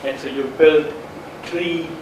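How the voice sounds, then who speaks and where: Guy in the audience restating stuff to clarify, super echoey, loud noise behind him. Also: a little high, steady tone, takes it slowly, distant mic. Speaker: audience questioner. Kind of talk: technical discussion from the floor. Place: room, speaking from audience away from mic.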